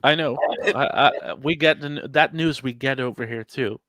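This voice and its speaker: A man from Belgium, a Dutch speaker, chatting casually and haltingly, often repeating words. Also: mid-range voice, fairly bright tone, dry recording. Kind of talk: casual podcast chat.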